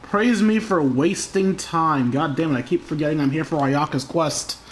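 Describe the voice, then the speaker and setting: A young man with a slightly high voice narrates his gameplay in a loose, sarcastic mutter, swearing offhandedly as he goes. A faint bed of ambience hums under his voice. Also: moderate pace, slight background noise. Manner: sarcastic, talks to himself, swears. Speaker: gameplay commentator. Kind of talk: casual gameplay commentary.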